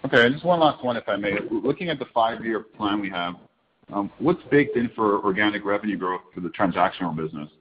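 Deep voiced guy asking analyst questions on a muffled call, polite, kinda tentative. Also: expressive, brisk, a little hiss or hum. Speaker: financial analyst caller. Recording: dull telephone conference line.

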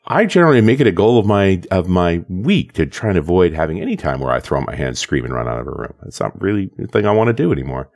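A man's voice: sits low, big pitch swings, fast, few pauses, a little mellow. A man co-hosting a podcast in a casual, thoughtful chat, reading listener comments and musing on communication. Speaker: podcast co-host.

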